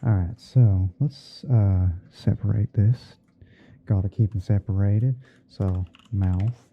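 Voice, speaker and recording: A man playing a gentle, easygoing TV painting instructor in a halting, murmured ASMR livestream roleplay. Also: on the low side, fairly even intonation, dull audio. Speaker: livestream host. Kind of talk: ASMR roleplay livestream while editing images.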